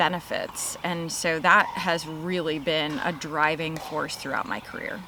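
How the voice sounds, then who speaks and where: Over noticeable background noise, a woman speaks at a fairly slow pace with a fairly low pitch. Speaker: nonprofit executive director. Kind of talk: documentary interview.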